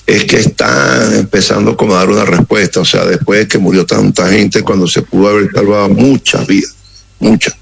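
This is a middle-aged Venezuelan man with a deep, gravelly voice, full of vocal fry. He speaks slowly and gravely, pausing often and choosing his words as a guest on a radio interview. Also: fairly even intonation, low-quality recording. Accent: Venezuelan Spanish. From Caracas, Venezuela. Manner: slow, halting, grave. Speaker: interview guest, security operative.

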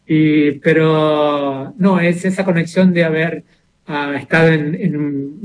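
A mature Brazilian man, a native Portuguese speaker with a Brazilian accent tinged with Buenos Aires Argentine, talking casually as a musician being interviewed, searching for words as he goes. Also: on the high side.

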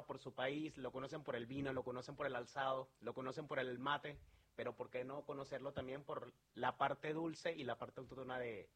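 A man's voice: mid-range voice, fairly bright tone, slightly rough. A man from Venezuela with a Venezuelan accent, talking earnestly as a sales manager in an interview, with many fillers and restarts.

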